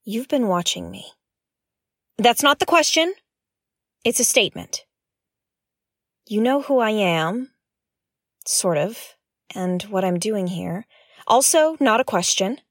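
Exasperated space explorer, very animated pitch. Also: female voice, slow pace, long pauses, dry recording, studio quality. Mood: pointed, impatient. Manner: sarcastic, indignant, emphatic. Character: exasperated, blunt, suspicious female space explorer. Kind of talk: scripted science-fiction audio drama acting.

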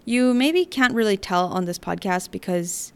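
Measured woman with a light Chamorro accent. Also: mid-range voice, clear, resonant tone. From Northern Mariana Islands. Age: 30s. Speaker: podcast host. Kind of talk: scripted personal narration.

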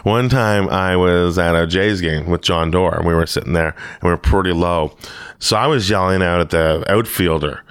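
A comedian from Ontario hosting a casual podcast chat, telling animated stories and acting out quotes. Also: male voice, low-pitched, moderate pace, clear, resonant tone, dry recording, studio quality. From Ontario, Canada. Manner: animated storyteller, acts out quotes.

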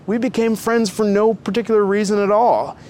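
A man's voice: high voice, steady tone, a little fast, a little mellow, a little hiss or hum, voice pushed up, lightly acted. A man voicing an earnest, pious young man in a story, reassuring and persuasive as he preaches. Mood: calm, persuasive.

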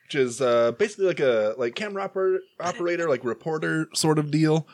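Laid-back man with a lively voice. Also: a little high, quick pace. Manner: laid-back, lots of "like" and "uh", laughs. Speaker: player. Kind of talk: casual tabletop game chat.

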